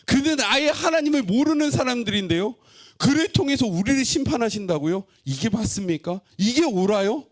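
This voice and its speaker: A man's voice: very high voice, expressive, brisk, voice pushed up. A man voicing an anguished male prophet who pleads and protests to God in indignant questions during a sermon. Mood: indignant pleading.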